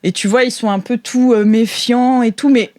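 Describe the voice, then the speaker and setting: A woman running an improvised tabletop roleplaying game, telling the story to her players in animated, informal, slangy speech. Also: a little high, normal speed. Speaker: game master.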